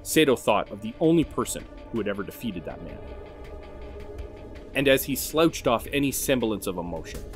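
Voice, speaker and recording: A man's voice: medium pitch, big pitch swings, moderate pace, faint music behind. A man reading dramatic scripted narration as a narrator, intense and emphatic.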